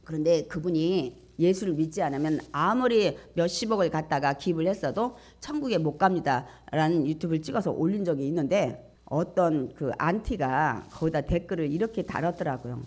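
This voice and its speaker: A woman pastor delivering a sermon in a church, animated and emphatic, often asking the congregation questions. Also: low-pitched, moderate pace, slightly rough. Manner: animated preaching with frequent rising emphasis and audience questions. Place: church sanctuary.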